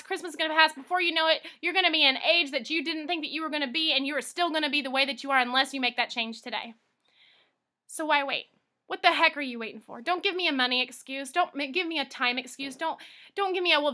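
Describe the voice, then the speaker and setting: A woman in her thirties, a weight-loss coach, talking straight to camera in an emphatic, exclamatory way, moving between loud pep talk and soft confession. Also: high-pitched, fast. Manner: emphatic, exclamatory, pleading with the viewer. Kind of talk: casual direct-to-camera testimonial.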